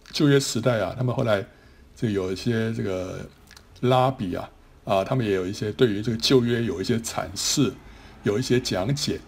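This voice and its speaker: A man lectures on scripture in a husky, mid-pitched voice. He explains things step by step, often trailing his sentences off with soft particles and restarting words. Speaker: Bible teacher. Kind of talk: classroom Bible lecture.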